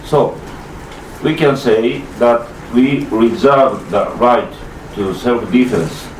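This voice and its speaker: A native Japanese speaker reading prepared remarks in English at a press conference, slow and halting. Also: male voice, medium pitch. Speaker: constitutional law professor at press conference. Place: press club conference room. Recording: roomy, distant mic, faint noise.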